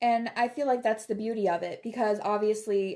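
A woman's dark, mellow tone at a fairly high pitch, moving at a fairly quick pace. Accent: American. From Metro Detroit, Michigan. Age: 20s. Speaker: podcast co-host. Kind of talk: casual chat.

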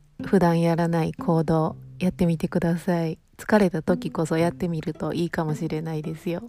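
A woman with a Kansai accent at a fairly low pitch, fairly even intonation, a moderate pace and hardly any pauses, with music in the background. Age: 40s. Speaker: podcast host. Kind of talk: casual monologue. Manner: laughs often.

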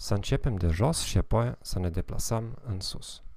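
Dark and mellow, a man's voice sits fairly low in pitch. The recording is very clean, with a silent background. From Germany. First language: German (speaking Romanian). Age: 40s. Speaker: psychologist and podcast host. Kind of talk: short educational monologue. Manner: scripted, formal.

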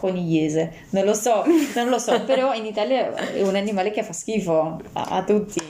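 Over noticeable background noise and audible room echo, a woman speaks fairly slowly at a medium pitch with ordinary pitch variation. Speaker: podcast guest sharing her immigration story. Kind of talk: casual chat.

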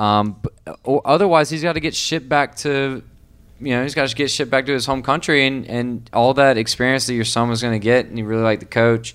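A man with a New Orleans accent, medium pitch, ordinary pitch variation, and a fairly quick pace. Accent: Southern US, New Orleans. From US South, New Orleans area. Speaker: entrepreneur and youth baseball coach. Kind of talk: casual chat.

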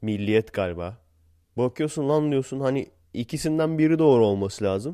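A man's lively intonation rises and falls as he speaks at a medium speed. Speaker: podcast host, video editor. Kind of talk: casual monologue. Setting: home balcony at night. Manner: subdued, not loud at night.

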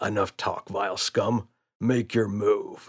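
A man puts on a character voice at a medium pitch. He goes at a fairly slow pace, with a dry, close sound and no echo. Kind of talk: archaic, formal. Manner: snarling.

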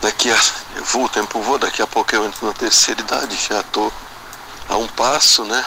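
Over noticeable background noise, a man speaks at a fairly quick pace with fairly even intonation and long, frequent pauses. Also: medium pitch for a man. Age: 50s. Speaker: listener sending voice message. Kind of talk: voice message.

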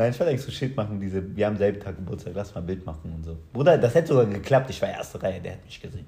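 A man's fairly low, somewhat breathy voice, dark and mellow in tone, at a very fast pace. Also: lively intonation, hardly any pauses, big swings in loudness. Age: 20s. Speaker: podcast co-host, student. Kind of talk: casual chat.

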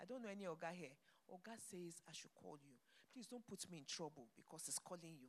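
A woman with a Nigerian accent talks at a very fast pace, her fairly low pitch carried by lively intonation. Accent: Nigerian (Yoruba) English. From Nigeria, Lagos. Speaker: pastor. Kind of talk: sermon. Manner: animated.

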